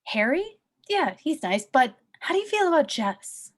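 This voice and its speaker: Smitten best-friend role , female actor, romantic comedy, animated high voice, eager. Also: measured pace. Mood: eager, probing. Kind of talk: table-read acting.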